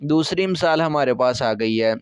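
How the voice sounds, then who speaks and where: A man's voice: medium pitch, expressive, normal speed, clean tone, no echo, clean studio sound. A man with an Urdu accent explaining a textbook language lesson, patient and repetitive, often checking that his listeners follow. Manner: patient, repeats key words, checks with "theek hai". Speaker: Korean language teacher.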